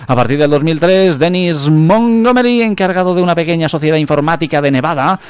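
A man's voice: on the high side, clear, resonant tone, no echo. A man hosting a radio comedy show, reading odd news and telling jokes in a dry way. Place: radio studio.

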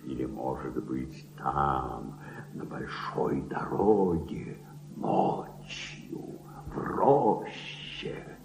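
A wildly swooping, miserly old baron. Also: male voice, a bass voice, sing-song, gravelly, a little mellow, slight background noise, full character voice. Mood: sly, scornful. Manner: grandiose, declamatory, with dramatic pauses and swells. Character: old miserly baron, proud, greedy, gloating over gold. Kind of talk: theatrical Russian radio drama monologue in verse. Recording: dull, echoey old radio play recording.

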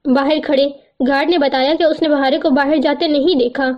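A woman narrating a novel aloud with steady, even storytelling delivery. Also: high-pitched. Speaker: audiobook narrator. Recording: muffled lo-fi recording.

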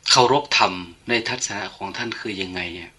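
A man's voice: fairly low pitch, fairly quick, pushed and bright, slightly rough. An older man, a monk, giving an informal, chatty sermon full of anecdotes and light humor. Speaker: monk giving a dharma talk.

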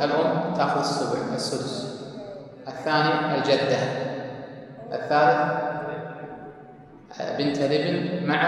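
A man's voice: fairly high pitch, fairly bright tone. A man teaching a classroom lesson, putting questions to his students and then answering them. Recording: roomy hall from a distance.

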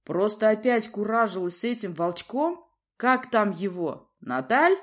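A woman's voice: medium pitch, expressive, normal speed, lightly acted. A woman voicing a roaring, imperious lion prince. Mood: angry. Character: stern domineering lion prince, a father.

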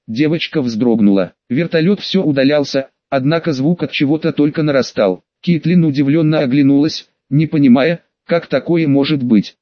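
A man's voice: fairly high pitch, dry recording, muffled recording. Dry-sounding male audiobook narrator. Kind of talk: scripted narration.

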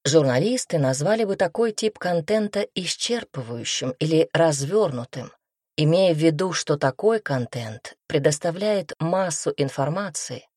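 A woman reads nonfiction aloud in a steady, measured manner. Her voice sits low, and the recording is dry, with no room sound around it. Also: breathy edge, no echo. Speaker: audiobook narrator. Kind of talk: scripted nonfiction narration.

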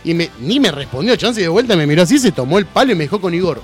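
A young Argentine man with a Rioplatense accent spins an anecdote on a radio show, his voice sitting high and swinging all over the place. He talks casually and laughs often, packing his lines with slang, while faint music plays softly behind him. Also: rapid-fire. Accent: Argentine Rioplatense Spanish. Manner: animated, laughing, heavy slang. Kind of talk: casual storytelling. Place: radio studio.

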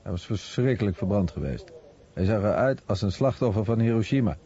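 A man's voice: on the low side, animated, brisk, mellow. A man reading a scripted translation as a documentary voice-over. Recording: muffled radio recording.

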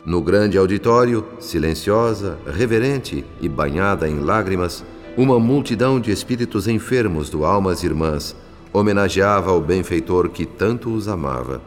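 A Brazilian man playing a humble, reverent narrator in a radio drama, speaking in a measured, literary and solemn way. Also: sits low, lively intonation. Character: reverent, moved male spirit narrator, humble disciple. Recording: long hall reverb, music behind. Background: music.

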